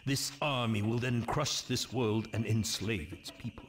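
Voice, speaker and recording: An actor playing a solemn tribal storyteller, narrating dark legends for a fantasy game in a grave, portentous, theatrical manner. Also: male voice, fairly low pitch, steady tone, a little slow, close to an everyday voice. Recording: music behind the voice. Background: prominent music.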